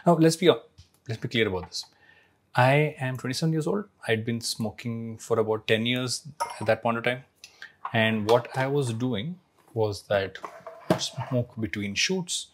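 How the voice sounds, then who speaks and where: A man in his forties telling a personal story to camera in a reflective, emphatic way, his throat a little husky. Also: mid-range voice, unhurried, a little hiss or hum. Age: 40s. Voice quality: slightly husky, throat clearing. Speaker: founder sharing life lessons.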